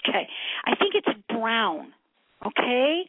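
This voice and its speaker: A middle-aged woman does live psychic readings over a tinny, narrow phone line. Her voice sits fairly high with a gravelly creak, and she talks haltingly, feeling her way through the reading in a familiar way. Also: sing-song, no room sound. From upstate New York, United States. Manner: familiar, calls callers hon and sweetie; halting, thinking aloud as she reads. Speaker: psychic reader on a call-in show. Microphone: telephone.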